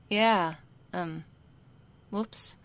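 A woman voicing a nervous, sheepish young succubus in a soft, hesitant ASMR role-play. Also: medium pitch. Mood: embarrassed. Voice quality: soft, husky, breathy. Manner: hesitant, flustered, succubus-like soft intimate delivery. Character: nervous young female succubus, reluctant, sheepish, affectionate daughter.

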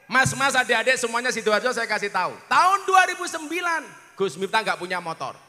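A man with a Javanese accent preaching a humorous sermon to a crowd, delivering punchy punchlines and bursting into shouts. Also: extremely high pitch, expressive, a little fast, big-room sound.

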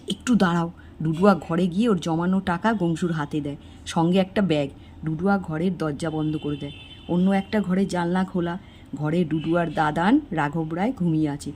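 A woman's voice: a little mellow, slight background noise. An older woman narrating a homely village story, briefly lifting her voice for the characters' lines. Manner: homely storytelling, doing character lines with small pitch lifts.

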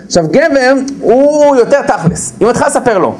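A man's voice: very high-pitched, poor audio. A man giving a humorous lecture on marriage to a live audience, acting out spouses' lines and repeating key phrases for emphasis. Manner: animated, acts out spouses' lines in quick put-on voices. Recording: live audience audible in the background.

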